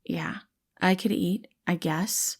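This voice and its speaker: A woman's voice: fairly low pitch, steady tone, slow, husky, heavily acted. Woman playing a tiny male survivor, wary, terse, protective, suspicious, storybook dialogue. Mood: reluctant, quiet. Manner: suspicious, reluctant, curt.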